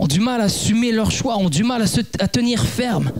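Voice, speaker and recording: Taking a fairly slow pace, a man speaks with ordinary pitch variation. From abroad, outside France. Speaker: youth pastor. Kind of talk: sermon. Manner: halting, with repetitions.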